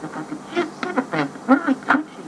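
A woman's voice: high voice, very animated, fairly quick, music in the background. A woman, an electronics hobbyist, talking through a voltage test step by step, heard as a playback of a tape recorded through a carbon granule microphone. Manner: talks through each step while adjusting gear. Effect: played back from a tape recorded through a carbon granule microphone. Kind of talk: casual hands-on demo talk. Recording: faint, distant, gritty carbon-mic tape playback.

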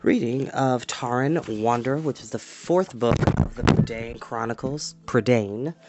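Reading a storybook aloud in a small room at home, a man in his twenties hosts a storytime, performing expressively and tossing in casual asides. His voice is medium-pitched and a little slow. Loud music plays behind him.

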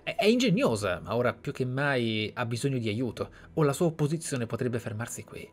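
A man's voice: mid-range voice, big pitch swings, fairly quick. A man voicing a concerned, shrewd advisor from a fantasy game, earnest and formal.

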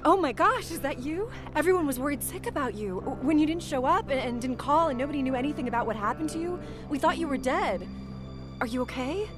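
A woman's voice: high-pitched, expressive, brisk. An actress playing a worried young woman in a video game, an old friend speaking earnestly with anxious stammers. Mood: anxious, urgent. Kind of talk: video game dialogue acting. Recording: game audio with music behind.

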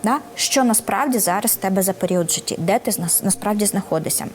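Woman giving lively advice. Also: mid-range voice, fast, a little hiss or hum. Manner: lively advice-giving with frequent "да?" check-ins. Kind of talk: casual advice interview.

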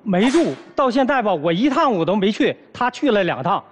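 A middle-aged man, telling his side in a lively, complaining, colloquial way. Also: high-pitched, a little fast, slight background noise. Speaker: guest husband. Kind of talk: animated storytelling complaint.

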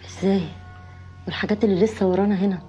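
Anxious, tender Egyptian wife, actress, soft intimate drama delivery, warm dark tone, dull recording. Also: female voice, medium pitch, fairly even intonation, very fast, lightly acted. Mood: concerned. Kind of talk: naturalistic screen drama acting. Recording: dull muffled sound, faint music.

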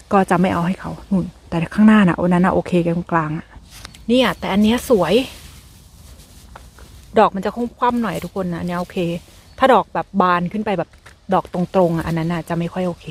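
A young adult woman chatting casually to her viewers while foraging outdoors in a forest, with excited exclamations. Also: fairly low pitch. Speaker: vlogger.

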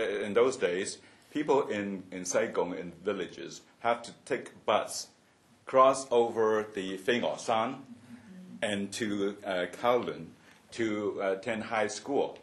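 A man in his seventies from Hong Kong, sharing childhood memories at a roundtable, with many fillers and restarts and frequent chuckles. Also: lowish voice. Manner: halting, many fillers and restarts, laughs often. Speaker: roundtable speaker. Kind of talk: personal reminiscence at a panel.

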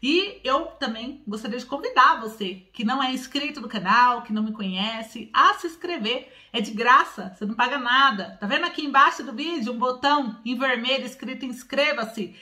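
A woman in her forties from São Paulo, Brazil, hosts a news vlog straight to camera from a small room in her home. She speaks Paulista Portuguese with a rolled R, drawing out key words for emphasis. Her high voice is expressive, pushed, and bright, at normal speed with hardly any pauses.

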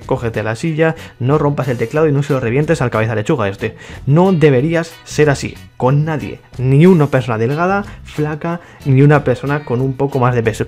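A man commentates his gameplay in a chatty, mock-exasperated way, addressing his viewers directly. His voice sits at an ordinary middle pitch, and faint music plays behind him. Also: a little mellow. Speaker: gaming YouTuber.

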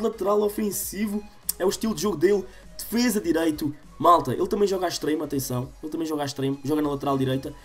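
Casting: young male gaming YouTuber, European Portuguese accent, slightly congested, highish voice, music underneath. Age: 20s. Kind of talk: excitable gaming commentary to viewers. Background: game music.

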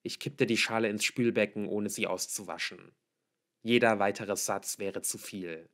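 A man's voice: lowish voice, steady tone, normal speed, a bit bright. A man reading a novel aloud as scripted audiobook narration. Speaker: audiobook reader.

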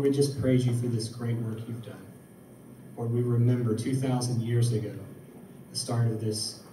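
Flat-voiced pastor in an echoey hall. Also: male voice, mid-range voice, distant mic, background noise. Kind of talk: scripture reading and prayer. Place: church hall. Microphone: handheld mic at a lectern.

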